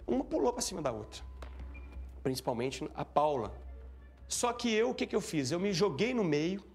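A man recounting a tense event in an interview, animated and acting out what people said. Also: high-pitched, moderate pace, vocal fry, faint music behind. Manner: animated, acts out shouting and quoted speech. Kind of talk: emotional first-person account.

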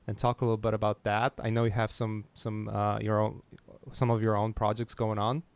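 A man's voice: on the low side, flat delivery, a little fast, smooth, no room sound. A man hosting a casual interview over a call, talking with many restarts and fillers and laughing easily. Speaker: podcast host.

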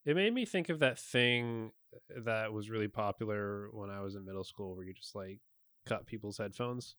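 Relaxed young man chatting about films. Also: fairly low pitch, moderate pace, clear, resonant tone, no echo, clean studio sound. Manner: relaxed, laughs often. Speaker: podcast co-host. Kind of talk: casual film review chat.

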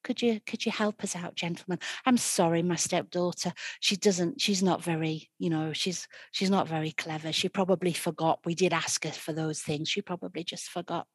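A woman's voice: mid-range voice, steady tone, takes it slowly, hardly any pauses, darkish tone, slightly rough, no room sound. A woman storyteller voicing a greedy, scornful stepmother who scolds and then fawns in a sickly sweet voice. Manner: scolding, then fawning and sugary.

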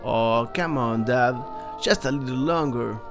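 A man's voice: medium pitch, unhurried, over music, pitched above the performer's own voice, close to an everyday voice. A man voicing an eager, timid young boy in a horror story. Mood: pleading.

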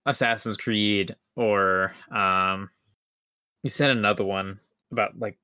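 A man in a casual podcast discussion, speaking haltingly and often repeating words as he makes his points. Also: fairly low pitch, fairly even intonation, pushed and bright, clear, resonant tone, dry recording. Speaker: podcast panelist.

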